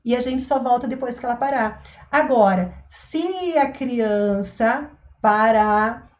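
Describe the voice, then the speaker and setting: Mom coach, higher voice, echoey. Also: female voice. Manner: expressive, acts out scenes, tags sentences with "tá?" and "né?". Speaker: parenting coach and mother. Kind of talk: explanatory talk to an online audience. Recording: echoey room.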